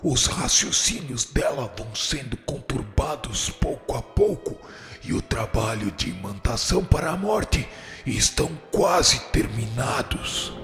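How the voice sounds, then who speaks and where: An actor playing a powerful, vengeful fallen spirit who sets himself up as judge, speaking solemnly and formally in a radio drama. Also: male voice, medium pitch, expressive, unhurried, close to an everyday voice. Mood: vengeful, brooding. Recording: reverberant hall-like echo, music underneath.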